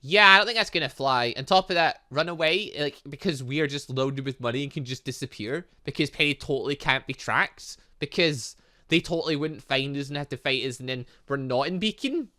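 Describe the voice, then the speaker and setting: A man's voice: medium pitch, a little fast, sharp tone. A man hosting a gaming channel, giving let's play commentary on a visual novel with dramatic, exclaiming reactions.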